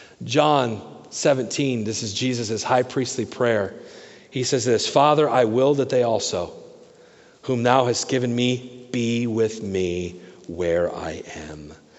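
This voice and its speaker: Over noticeable background noise and audible room echo, a man speaks at a medium pitch with lively intonation. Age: 40s. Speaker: pastor. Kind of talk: sermon. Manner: halting.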